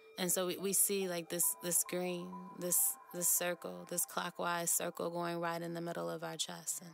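A woman speaks in a soothing tone with hardly any pauses, music playing in the background. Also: moderate pace. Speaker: yoga teacher. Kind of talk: guided chakra meditation. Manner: soothing, casual.

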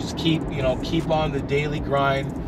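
Loud noise fills the background while a man talks. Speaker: bodybuilder vlogger. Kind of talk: casual vlog chat. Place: car. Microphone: camera far.

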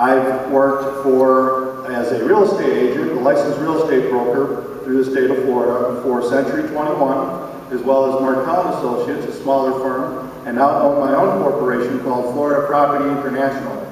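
Over light background noise and strong room echo, a man speaks at a moderate pace with fairly even intonation and hardly any pauses. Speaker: candidate. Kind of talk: campaign speech. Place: church.

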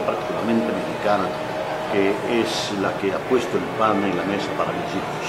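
There is loud noise in the background. Through it, a man talks. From Ecuador. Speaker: sports broadcaster. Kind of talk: interview answer. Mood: warm, grateful, reflective. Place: hall. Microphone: lapel.

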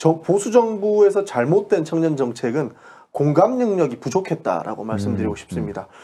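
A man's dark, mellow voice with fairly high pitch and very wide pitch swings. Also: moderate pace. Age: 20s. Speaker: parliamentary candidate, former student activist; candidate. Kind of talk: interview. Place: studio. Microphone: lapel.

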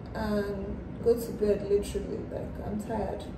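Against noticeable background noise, a woman speaks at a very slow pace. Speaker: travel vlogger. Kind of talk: casual vlog chat. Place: home room. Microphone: phone near.

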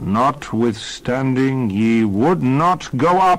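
A man puts on a character voice at medium pitch, with a fairly bright tone, lively intonation and a very slow pace.

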